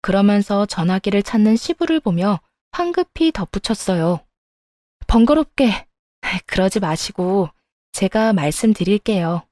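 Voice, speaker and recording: A woman narrating a first-person family story in a polite, expressive way. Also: medium pitch, unhurried, dry recording, studio quality. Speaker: narrator as daughter-in-law.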